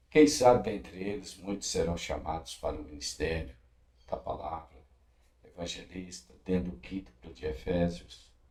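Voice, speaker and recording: Using vocal fry, a man with a very deep, low pitch talks at a moderate pace with lively intonation and big swings in loudness. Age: 70s. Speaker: pastor. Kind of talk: interview giving advice.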